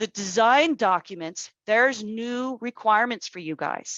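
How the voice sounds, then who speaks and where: A woman's lively intonation and moderate pace come in a normal speaking voice. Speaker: energy code consultant and trainer. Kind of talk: webinar lecture.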